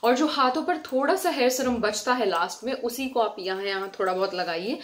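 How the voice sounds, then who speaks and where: A woman's voice: on the high side, animated, brisk. A woman from India giving a casual, chatty hair-care tutorial at home, talking straight to her viewers as friends. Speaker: beauty vlogger. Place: indoors at home, fan switched off.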